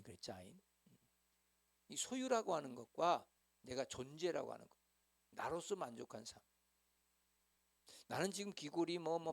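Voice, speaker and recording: A man's voice: medium pitch, vocal fry. A middle-aged man, a senior pastor, teaching small-group leaders in a church hall. He is talkative, acts out quoted dialogue, and keeps asking his listeners to respond.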